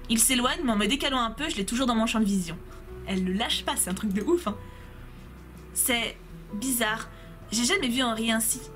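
A woman's voice: fairly high pitch, fairly quick, pauses often, fairly bright tone, soft background music. A young woman playing a story game, reading the dialogue aloud in her own voice and chatting to viewers between scenes. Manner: playful, reads all characters in her own voice, asides to viewers. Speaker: game let's player.

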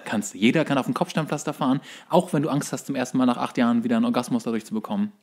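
Guy co-hosting a podcast, mid-pitched voice, dry jokey sarcastic banter. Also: steady tone, very fast, darkish tone. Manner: wry, joking, sarcastic. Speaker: podcast co-host. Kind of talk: casual chat.

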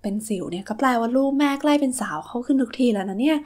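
A woman's voice: on the high side, expressive, rapid-fire, darkish tone. A woman voicing a caring, reassuring mother in a children's toy story, coaxing and soothing.

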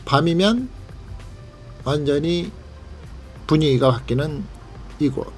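A man's voice: on the high side, lively intonation, slow, soft background music. A man hosting a travel vlog, narrating a leisurely tour in a guide-like way and pointing out sights. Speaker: vlog host.

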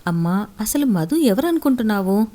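A woman's voice: medium pitch, big pitch swings, normal speed, mellow, natural voice. A woman voicing a devoted young husband who firmly defends his wife in a storybook tale. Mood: earnest, firm. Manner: earnest, firm.

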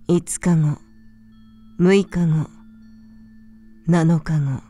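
Female horror narrator, calm and soft, slightly low mellow voice for bedtime ghost stories. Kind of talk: scripted narration of a ghost story.

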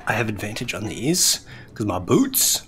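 A woman's voice: very deep voice, sing-song, moderate pace, faint music behind. A woman playing a tabletop game, mixing roleplay with casual talk.

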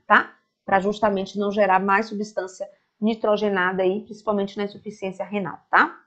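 A woman with a Brazilian Portuguese accent teaching an online nursing exam-prep lecture. She explains step by step and often checks in with "tá?". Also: medium pitch. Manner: reassuring and direct toward students.

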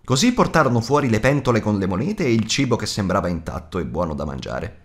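Expressive man narrating an audiobook. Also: lowish voice. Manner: expressive, dramatic reading. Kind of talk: scripted narration.

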